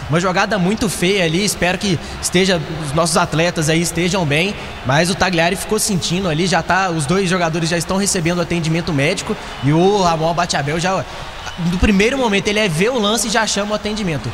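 Brazilian field reporter at a football game, highish voice, loud background noise, hall reverb. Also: male voice. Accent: Brazilian Portuguese. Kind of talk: live radio football reporting.

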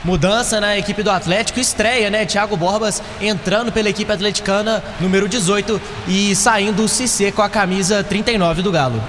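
A man's voice: high-pitched, fairly even intonation, fairly quick, hardly any pauses, big-room sound, background noise. A man with a Brazilian accent reporting from the field on a live radio football broadcast, conversational and descriptive. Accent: Brazilian Portuguese.

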